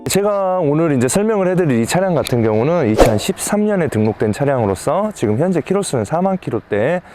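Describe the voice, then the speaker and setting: Presenting a truck-buying guide, a used car dealer explains things to viewers in polite, formal sales patter within an informal explainer. His voice is medium-pitched with a dark tone, and faint background noise is audible.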